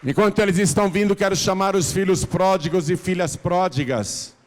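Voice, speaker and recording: Fervent Brazilian pastor in a reverberant hall. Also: male voice, high-pitched, fairly quick, some chatter behind. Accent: Brazilian Portuguese. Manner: fervent, swings from soft pleading to loud calling. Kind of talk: preaching a sermon with an altar call. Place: large church hall.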